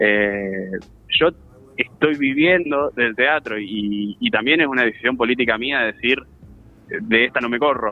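A man of medium pitch with lively intonation at a fairly slow pace, a normal speaking voice. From Argentina, San Lorenzo (Santa Fe). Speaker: stage actor and theatre teacher. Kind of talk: interview. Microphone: choppy connection.

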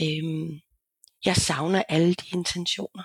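A woman with a fairly low pitch and vocal fry speaks at a very slow pace with fairly even intonation, the sound dry and close with no echo. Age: 40s. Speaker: social worker and consultant. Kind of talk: interview.

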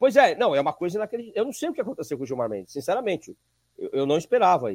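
A man at a high pitch with very wide pitch swings and a very fast pace, dry, close sound with no echo, very clean recording, silent background. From São Paulo, Brazil. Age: 50s. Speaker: law professor. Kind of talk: interview conversation. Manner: hesitant, frequent fillers.

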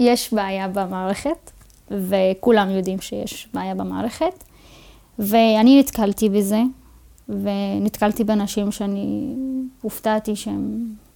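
Long, frequent pauses break up a woman's speech. She talks very slowly. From Israel, Shfar'am (Druze). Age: 20s. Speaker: PhD student in mathematics. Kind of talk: interview. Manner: halting, many fillers.

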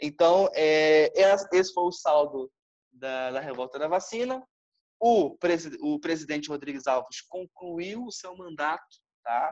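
Lively intonation at a fairly slow pace, with long, frequent pauses and big swings in loudness. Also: man, fairly high pitch for a man. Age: 30s. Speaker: history teacher. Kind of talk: educational podcast conversation.

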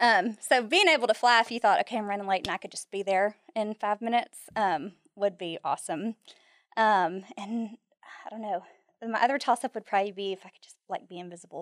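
A woman speaks at a fairly quick pace at a medium pitch, her loudness swinging widely and her pitch varying in an ordinary way. The sound is dry and close, with no echo. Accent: Tennessee. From Memphis, Tennessee. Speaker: accounting firm staff member. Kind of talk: casual interview.

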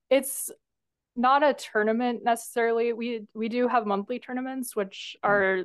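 A woman talks at a moderate pace in an ordinary speaking voice, fairly high in pitch. Her pitch varies in an ordinary way over a quiet background. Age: 20s. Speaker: chess club coach. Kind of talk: casual chat.

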